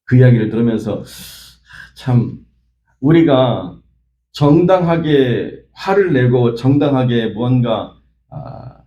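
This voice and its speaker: A man's voice: medium pitch, lively intonation, slow pace, echoey room, muffled recording, a little hiss or hum. A man preaching an early-morning sermon as pastor, telling a story in an earnest way with frequent small fillers. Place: church sanctuary.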